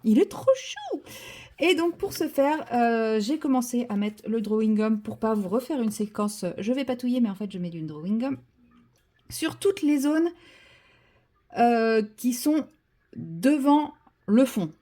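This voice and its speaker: A woman's voice: a little high, measured pace, warm tone. A woman chatting casually while she paints, full of fillers and self-deprecating asides. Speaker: vlogger.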